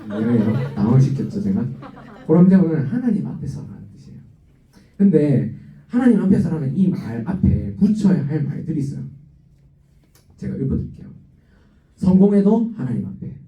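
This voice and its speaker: A man with a Gyeongsang accent preaching an animated, exhorting youth revival sermon in a church sanctuary. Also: medium pitch. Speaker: guest preacher. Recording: roomy, dull, distant church recording.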